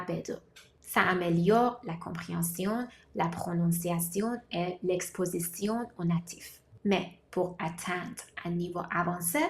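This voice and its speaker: Woman calmly explaining language-learning tips. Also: on the low side, slight background noise. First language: not French. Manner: measured, deliberate delivery in short listed phrases. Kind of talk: scripted explanatory monologue.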